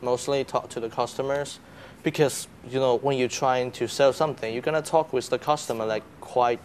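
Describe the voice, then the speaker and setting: A man's voice: mid-range voice, steady tone, brisk, darkish tone. Chatty young man, slight noise. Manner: chatty, laughs, uses fillers. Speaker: student guest. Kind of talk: casual interview answers. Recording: faint background noise.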